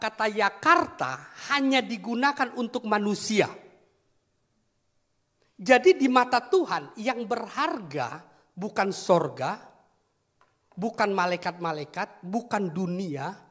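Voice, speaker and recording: Male pastor, 30s, high-pitched, animated storyteller, reverberant church hall. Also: a little slow. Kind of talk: sermon.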